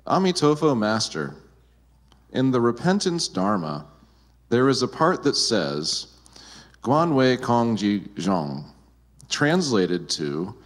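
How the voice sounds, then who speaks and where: A man acting as moderator, carefully reading out questions in a polite, deferential way. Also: fairly low pitch. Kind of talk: careful reading aloud to a teacher.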